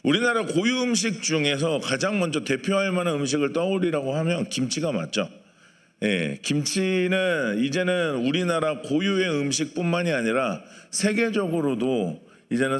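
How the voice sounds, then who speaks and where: A man's voice: on the high side, very animated, moderate pace. A man preaching a sermon to a congregation in a conversational way, asking the people in the pews questions. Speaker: pastor. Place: church sanctuary. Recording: long church hall reverb.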